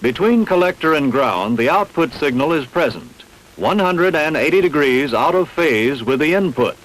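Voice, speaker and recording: A man reading scripted instructional narration in a measured, didactic, carefully enunciated way. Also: fairly high pitch, big pitch swings, rough recording. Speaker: training film narrator.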